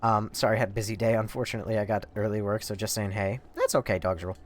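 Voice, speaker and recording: A man's voice: fairly low pitch, fairly even intonation, racing. A man streaming a game, telling a story in a rambling, profane, casual way. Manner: rambling, profane, laid-back.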